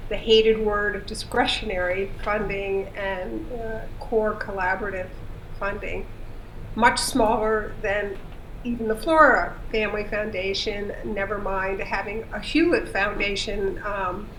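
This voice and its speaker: Soft-spoken woman with a head cold. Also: medium pitch, fairly even intonation, a little slow. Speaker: seminar participant asking a question. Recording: echoey call audio with faint noise.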